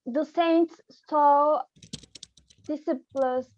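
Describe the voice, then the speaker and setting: A woman student with a high voice answers in short, hesitant bits, speaking slowly. The sound is dull and lo-fi, like an online call. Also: fairly even intonation.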